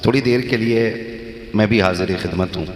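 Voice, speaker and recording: A man's voice: fairly low pitch, normal speed. Man preaching to a crowd, echoey hall. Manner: banters with the crowd and calls out slogans for them to answer. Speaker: religious speaker. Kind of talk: sermon to a live gathering.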